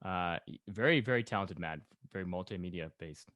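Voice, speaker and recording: A man's voice: sits low, fairly quick, a bit bright, no echo, studio quality. A man chatting casually as a podcast host. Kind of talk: casual chat.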